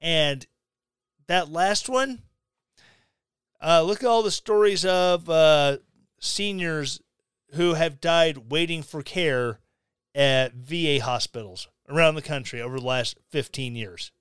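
A man's voice: fairly high pitch, takes it slowly, fairly bright tone, clear, resonant tone, no room sound, clean studio sound. A man from Missouri hosting a podcast, delivering a blunt opinionated rant with sarcastic asides. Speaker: podcast host. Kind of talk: opinionated monologue.

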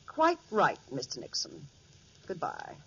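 A woman's voice: sits low, wildly swooping pitch, measured pace, creaky, loud music behind the voice, full character voice. An actress playing a composed, curt female office boss in a 1940s radio drama. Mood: icy. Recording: muffled old radio recording, loud noise.

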